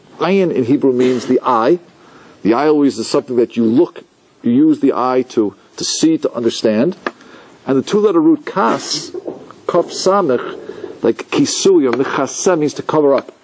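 Over noticeable background noise, a man's speech moves at a moderate pace. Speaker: religious teacher. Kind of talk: lecture. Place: hall.

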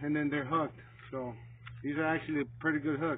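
There is light background noise, and the sound is dry with no echo. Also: man. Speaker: fishing vlogger. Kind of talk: tutorial. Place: waterside.

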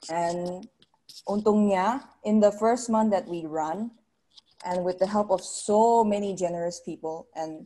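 Her tone is dark and mellow, with ordinary pitch variation. This woman speaks at a very slow pace. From Indonesia. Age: young. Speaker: young activist, charity founder; guest. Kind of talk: casual interview. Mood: reflective, thoughtful. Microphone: video call.

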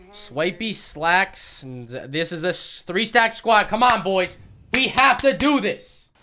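Against light background noise, a man projects a raised, high, bright and sharp voice with very wide pitch swings at a very slow pace. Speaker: gaming YouTuber. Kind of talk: gameplay commentary. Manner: animated, loud. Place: home room. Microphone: headset.

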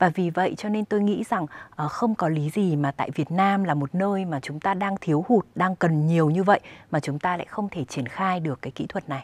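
A woman speaks fairly quickly with lively intonation, and the sound is dry with no echo. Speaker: physician and researcher; TV guest. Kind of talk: TV interview. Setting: TV studio. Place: studio. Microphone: lapel.

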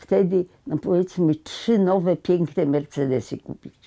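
Speaking fairly slowly, a woman has a dark, mellow tone and a fairly low pitch. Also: quiet background. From Poland, Masovia (Warsaw and Płock area); Masovia. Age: 80s+. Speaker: war veteran; witness. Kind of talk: testimony; interview answer. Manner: halting. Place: home room. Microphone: lapel.

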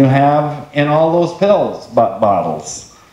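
A man at a very slow pace, with audible room echo. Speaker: preacher. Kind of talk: sermon. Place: church.

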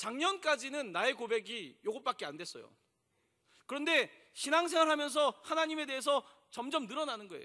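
Over a quiet background, a man speaks at a fairly quick pace. His raised, projected voice has a bright, sharp tone. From South Korea. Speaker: pastor. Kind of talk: sermon. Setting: church. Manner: hesitant fillers. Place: church. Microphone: podium.

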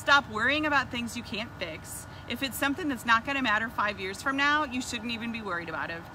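A high-pitched woman speaks very fast with lively intonation and hardly any pauses. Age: 40s. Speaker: motivational vlogger, businesswoman. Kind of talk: personal advice monologue to camera. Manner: casual, with fillers and laughs.

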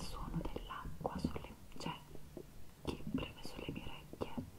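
A woman is speaking. She whispers. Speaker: ASMR creator. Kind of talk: ASMR soft-spoken talk. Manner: soft-spoken, relaxing. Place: home room. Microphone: studio mic.

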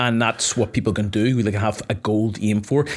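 In a Northern Irish accent, a man talks in an animated tone. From Northern Ireland, Belfast. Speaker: podcast host, gym business owner. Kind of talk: casual chat. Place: studio. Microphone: studio mic.

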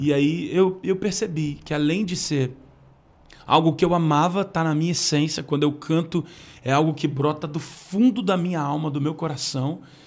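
At a moderate pace, a man talks with a fairly high pitch for a man and ordinary pitch variation. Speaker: gospel singer. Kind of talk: casual interview chat.

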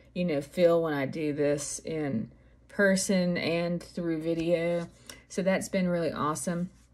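A woman speaks at a fairly slow pace. Her pitch is fairly low and her intonation fairly even. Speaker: vlogger. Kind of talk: casual vlog chat. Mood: warm, reflective. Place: home room. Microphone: phone near.

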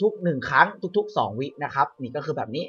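A man speaks against a quiet background. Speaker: gaming channel host. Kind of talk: casual patch-notes commentary to camera.

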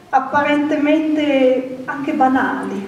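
A woman speaks at a very slow pace and a high pitch. Noticeable background noise fills the clip. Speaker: exhibition curator. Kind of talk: presentation talk. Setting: stage with audience.

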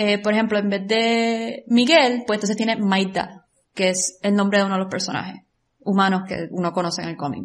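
A woman with an unremarkable speaking voice talks at a moderate pace, her medium pitch showing ordinary variation. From Puerto Rico. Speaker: webcomic creator. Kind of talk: roundtable discussion.

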